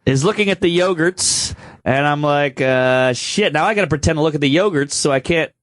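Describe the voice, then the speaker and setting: A man with a stuffed-up cold telling a story on a podcast in a lively, casual way, acting out both sides of the exchange. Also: on the high side, fairly quick, dry recording. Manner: animated, acts out both sides of encounters. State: congested from a cold. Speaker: podcast co-host.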